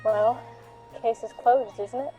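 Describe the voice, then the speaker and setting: Mellow, earnest woman actor in radio drama. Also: on the high side, fairly even intonation, takes it slowly, faint music behind. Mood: friendly, grateful. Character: friendly young woman, anxious client of a detective. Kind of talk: radio drama acting, conversational.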